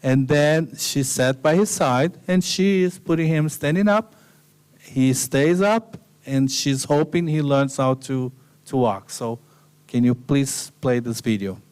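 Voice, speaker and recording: Man giving a smooth, relaxed slide lecture. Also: medium pitch, unhurried. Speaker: guest lecturer.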